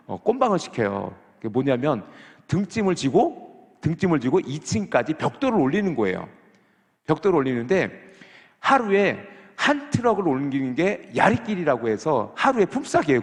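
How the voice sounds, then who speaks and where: A man preaching a sermon as a pastor, questioning the congregation and acting out people's complaints. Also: on the high side. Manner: animated, asks the congregation questions, acts out complaints. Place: church sanctuary. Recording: long reverb of a church hall.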